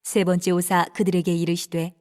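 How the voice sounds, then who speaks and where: A woman narrating scripture for an audio Bible drama, telling the story in a steady, even way. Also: lowish voice, a little fast.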